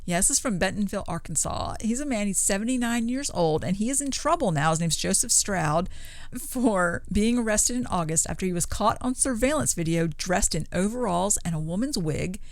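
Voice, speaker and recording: A woman with a mid-pitched voice co-hosts a relaxed talk podcast. She passes along strange news items conversationally and is easily amused. The sound is dry, with very little room in it. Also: a little fast, no echo. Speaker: co-host reading odd news stories. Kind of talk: casual podcast chat and news reading.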